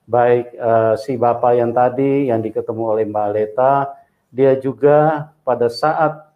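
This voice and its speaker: A man, a pastor and host, calmly asking questions and drawing a spiritual lesson. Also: mid-range voice, a little slow. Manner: calm, affirming with frequent murmurs. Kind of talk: interview and short preaching. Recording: slightly dull lo-fi sound.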